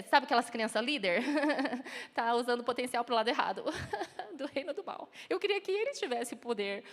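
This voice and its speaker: A woman's voice: on the high side, bright, forceful tone. A woman preaching a sermon in Brazilian Portuguese, telling a story and acting out the voices in it. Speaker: preacher and children's Bible teacher. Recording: church hall with long reverb.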